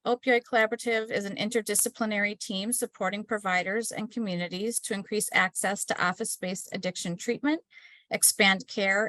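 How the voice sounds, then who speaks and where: A woman hosting a webinar on a video call, reading housekeeping notes and a speaker introduction from a script. Her pitch sits in the middle range, and her voice is dry and close on a computer microphone, with no room sound. She keeps an even, steady pace and stumbles now and then over a word. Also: no room sound. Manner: scripted, steady delivery with small slips. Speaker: webinar host.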